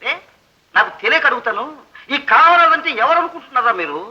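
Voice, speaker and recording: An actor playing a loud, bossy, wealthy old father, locked in his room, who shouts threats in theatrical bluster. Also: very high-pitched, big pitch swings, fast talker, full character voice. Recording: dull old film soundtrack.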